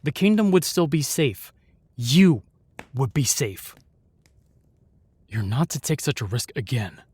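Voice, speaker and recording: A man's voice: medium pitch, big pitch swings, a little slow, a little mellow, breathy edge, heavily acted. Man acting an earnest, exasperated fantasy knight. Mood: stern, earnest. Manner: formal, earnest, scolding. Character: protective, exasperated young male knight guarding a lady. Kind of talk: fantasy audio roleplay acting.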